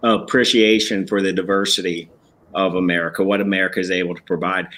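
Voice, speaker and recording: Upbeat male podcast host, low voice. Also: fairly bright tone. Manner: upbeat, enthusiastic introductions with frequent restarts. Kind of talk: interviewing a guest. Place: church building.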